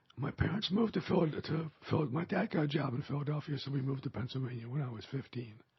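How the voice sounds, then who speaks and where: With a New York accent, a man speaks at a very fast pace with hardly any pauses. His fairly high voice has lively intonation. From New York City (Manhattan). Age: 70s. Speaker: Air Force veteran. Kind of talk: casual interview. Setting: at a refurbished missile silo.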